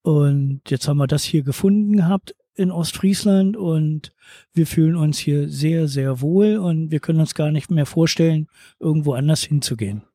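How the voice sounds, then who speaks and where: A man from eastern Germany talks about his beach bar at an unhurried pace. His voice sits a little high but sounds mellow and soft-edged. The recording is dry and close, with no room sound. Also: no echo. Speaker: beach bar and holiday flat owner. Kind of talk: interview answers.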